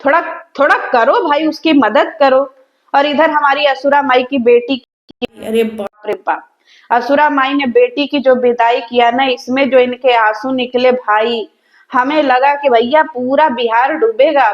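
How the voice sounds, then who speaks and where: A woman's voice: sits high, steady tone, a little slow, highs cut off. A young woman, hosting a reaction video and mockingly roasting in sarcastic rambling rants.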